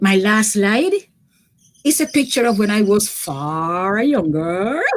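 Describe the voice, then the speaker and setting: This woman's voice sits at a medium pitch, with very wide pitch swings. She talks at a very slow pace, her loudness very even throughout. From Cuba. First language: Jamaican Patois. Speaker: retired language professor. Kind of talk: lecture.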